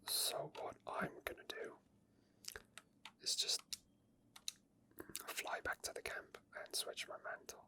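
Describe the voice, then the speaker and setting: A person whispering softly, very close to the microphone, in unscripted ASMR game commentary and chat. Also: slow pace, pauses often. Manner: soft whispering throughout. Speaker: ASMR gaming video creator. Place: indoor gaming setup at a computer. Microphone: microphone very close to the mouth.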